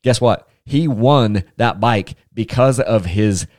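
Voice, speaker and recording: A man's voice: lowish voice, takes it slowly, darkish tone, no echo, clean studio sound. A man hosting a casual solo podcast, chatty and enthusiastic, rambling with frequent restarts. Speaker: podcast host.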